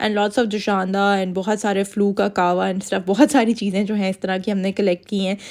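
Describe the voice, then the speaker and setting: A woman of medium pitch speaks at a moderate pace with hardly any pauses and monotone, flat intonation. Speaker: vlogger. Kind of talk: casual vlog talk. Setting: in a car. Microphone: voice may be quiet.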